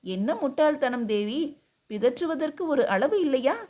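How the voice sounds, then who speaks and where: A woman's voice: high-pitched, lively intonation, unhurried, darkish tone. A woman voicing a stern, exasperated male emperor who scolds his wife with incredulous questions, in an audiobook reading. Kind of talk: audiobook character voice.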